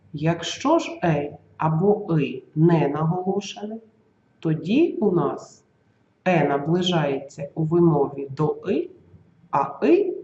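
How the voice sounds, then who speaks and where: A teacher giving a school video lesson, spelling out example sounds and words slowly and carefully. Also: mid-range voice, a little mellow. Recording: roomy, slightly dull recording.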